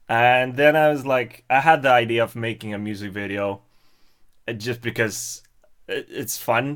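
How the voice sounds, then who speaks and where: On a very clean recording with a silent background, a man talks with a Swedish accent. His pitch is medium, with ordinary variation, and his pace is moderate. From Sweden, Stockholm. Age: 20s. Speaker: live streamer. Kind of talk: casual chat. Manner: halting.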